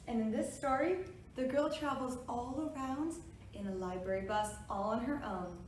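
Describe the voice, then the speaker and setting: A woman with a kindergarten teacher voice, hosting a children's storytime, reading picture books aloud and guiding young listeners with simple, encouraging directions. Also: fairly high pitch. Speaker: preschool storytime reader and host. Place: echoey room, away from the mic. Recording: very echoey room, distant mic, faint noise.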